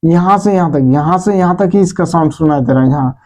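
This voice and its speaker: A man with a high-pitched but dark, mellow tone teaches a grammar lesson to children. He keeps asking the class questions and answering them himself, and he draws out vowel sounds slowly to show how each one is made. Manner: talks to students directly, asks and answers his own questions; says sounds aloud slowly to demonstrate them.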